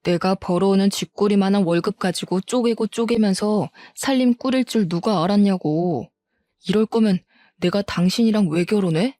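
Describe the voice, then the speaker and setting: A woman's voice: mid-range voice, moderate pace, dark tone, dry recording, natural voice. A woman voicing a resentful, self-pitying middle-aged husband in a dramatized story reading. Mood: bitter. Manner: whining, then defiant and bitter.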